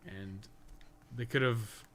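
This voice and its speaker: Speaking slowly in a medium, slightly bright voice, this male gaming streamer and podcast co-host rambles through casual live-stream chat during play. Profanity comes up often as he talks.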